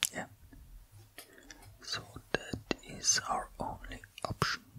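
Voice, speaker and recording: Someone whispers at a very slow pace. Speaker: puzzle player. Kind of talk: ASMR puzzle game playthrough, narrating moves. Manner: whispered.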